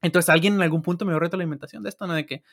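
A young Mexican man with a high, light voice talks in a loose, slangy way and laughs easily. He speaks casually as a guest on a podcast. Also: steady tone, rapid-fire, fairly bright tone. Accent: Mexican Spanish. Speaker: software engineer guest.

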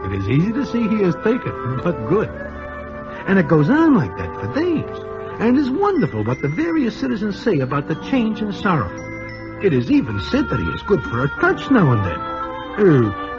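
A man's voice: high voice, wildly swooping pitch, moderate pace. A man playing a wry gambler sidekick who narrates a 1940s radio drama in a formal present-tense manner. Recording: dull old radio broadcast with music.

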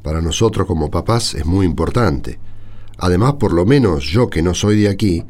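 A man playing an earnest working-class father in a radio drama, with a husky voice. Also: low voice, lively intonation, normal speed, darkish tone. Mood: grateful, earnest. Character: earnest, grateful working-class father from elsewhere at school meeting.

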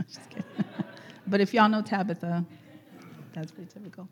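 A middle-aged woman leading a church gathering, chatty and laughing often, her voice going hoarse. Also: mid-range voice, fairly even intonation, moderate pace. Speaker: church leader. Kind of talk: warm casual church greeting and exhortation.

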